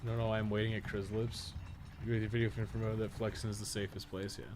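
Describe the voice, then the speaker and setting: Male game streamer, lowish voice, casual rambling commentary, slangy and profane, audible ambient noise behind. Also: level tone, fast. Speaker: game livestreamer. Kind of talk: casual gameplay commentary, chatting while playing.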